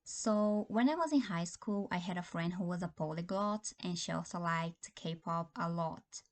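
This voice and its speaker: Young woman, lowish voice, calm steady exam answer. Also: normal speed. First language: Portuguese. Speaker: test taker giving sample answers. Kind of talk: timed spoken exam answer.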